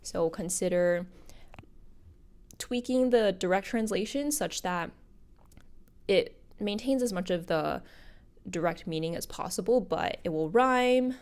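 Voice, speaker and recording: A young woman hosting her own podcast, talking casually and upbeat to viewers, her voice husky because she is a little sick. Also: mid-range voice, a little slow, long pauses, a little mellow. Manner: bubbly and upbeat, addressing viewers directly. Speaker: podcast host and content creator. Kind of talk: casual solo podcast talk.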